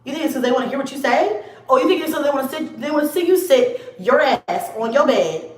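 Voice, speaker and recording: A young adult woman on her own channel, ranting bluntly and with heavy profanity straight at a rival. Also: fairly high pitch. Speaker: YouTuber. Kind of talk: confrontational vlog rant. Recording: echoey room, mic at a distance.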